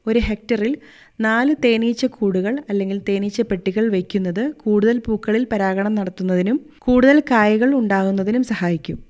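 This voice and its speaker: A woman agricultural scientist giving a scripted radio talk in a steady, instructive manner. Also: medium pitch, moderate pace, no room sound, clean studio sound.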